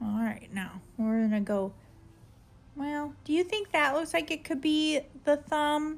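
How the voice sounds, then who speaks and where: A woman speaks loudly at a very slow pace. Her intonation is lively. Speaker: doll maker and crafting channel host. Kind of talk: tutorial. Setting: sun room at home.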